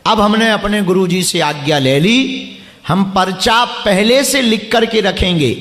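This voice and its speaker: High-voiced man teasing a stadium crowd. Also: a little slow, a bit bright, echoey room. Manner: teasing, bantering with audience members. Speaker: preacher leading a religious gathering. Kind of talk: live address to a crowd. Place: packed stadium.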